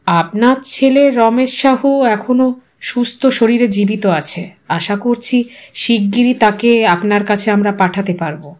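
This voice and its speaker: A woman voicing a courteous, apologetic male army colonel in an audio story, speaking formally and gravely. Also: on the high side, a little slow, darkish tone, close to an everyday voice.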